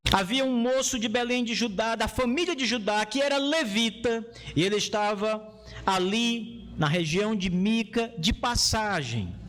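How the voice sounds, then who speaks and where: A man's voice: very high voice, a bit bright. A Brazilian man preaching as a pastor, explaining scripture and exhorting in an emphatic, repetitive manner.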